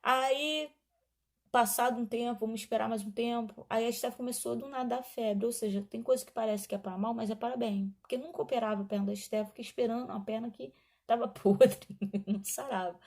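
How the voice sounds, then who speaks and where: A woman's voice: fairly high pitch, fairly even intonation, fairly quick, a little mellow. A woman pastor giving an emotional testimony in a sermon, talking straight to the congregation. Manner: emotional storytelling, addresses congregation as brothers.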